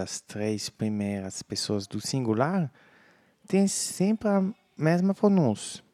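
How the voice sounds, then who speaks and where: A man with a Brazilian Portuguese accent, teaching a French lesson and slowly modeling each phrase clearly. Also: mid-range voice, mellow. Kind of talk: language lesson.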